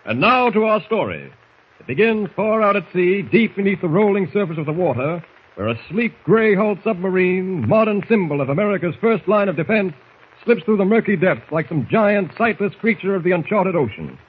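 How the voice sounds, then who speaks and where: A man's voice: sits high, expressive, normal speed, husky. A male narrator from an old 1940s radio drama, telling the story in a grave, theatrical manner. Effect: old radio transcription. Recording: tinny old radio broadcast.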